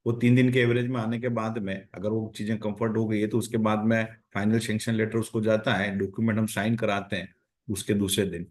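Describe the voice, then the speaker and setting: Man, low voice, Indian accent, company executive, explanatory earnings-call answers, repeats phrases for emphasis. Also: level tone, a little fast, darkish tone.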